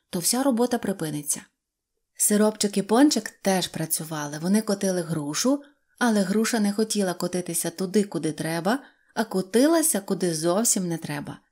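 A woman reads a children's story aloud with expressive, lively storytelling. Her voice sits at an ordinary middle pitch. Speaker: narrator. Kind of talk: children's audiobook narration.

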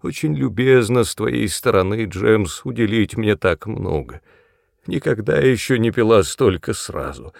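A man voicing a timid old grandmother who speaks softly in a raised voice and giggles as she gets tipsy. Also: lively intonation, unhurried, creaky, no room sound, studio quality. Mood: timid, giggly. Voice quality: higher, soft, giggling.

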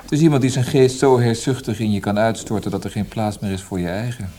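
A thoughtful, disillusioned poet played by a man talks in a low, dark, mellow voice. He is reflective and dryly ironic, in the natural manner of radio drama. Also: steady tone, fast, close to an everyday voice. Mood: guarded, thoughtful. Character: disillusioned Austrian poet, thoughtful and wry husband.

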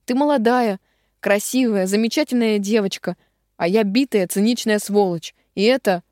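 A woman's voice: medium pitch, moderate pace, darkish tone, no room sound, studio quality, natural voice. A woman voicing a remorseful man much older than his lover, begging and apologetic, read in an audiobook. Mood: pleading. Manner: begging, apologetic, then commanding. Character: man about fifteen years older, remorseful, pleading.

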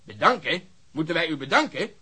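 An actor playing a gruff, sarcastic police detective in a radio drama, speaking in an exasperated, grumbling way. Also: male voice, fairly high pitch, sing-song, brisk, bright, forceful tone, exaggerated voice. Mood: incredulous, annoyed. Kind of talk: Dutch radio drama acting.

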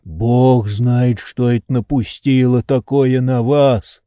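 A man's voice: mid-range voice, fairly even intonation, slow, mellow, clear, resonant tone, no room sound, studio quality, natural voice. A man voicing an old male manservant who speaks in a pleading, plaintive way. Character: old male servant, plaintive and slow-witted.

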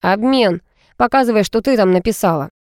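A woman's voice: medium pitch, expressive, fairly quick, a little mellow, no echo, studio quality, close to an everyday voice. A woman reading the lines of a cocky, teasing young male classmate in an audiobook. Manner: mocking, teasing banter.

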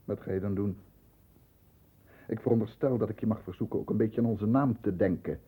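A man acting a stern, proud middle-aged lawyer in a 1960s radio play, speaking with formal, measured diction. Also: on the low side, dark tone, breathy edge, no echo. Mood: stern, urgent. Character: stern, proud male lawyer protecting the family name. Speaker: actor in a radio drama. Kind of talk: 1960s Dutch radio play acting, first-person narration and dialogue. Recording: muffled, thin 1960s radio recording.

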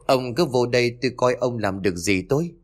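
A man voicing a sharp-tongued rural wife and mother who answers back with quick, scolding retorts in a raised, fast voice. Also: medium pitch, expressive, faint music behind, natural voice. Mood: defiant.

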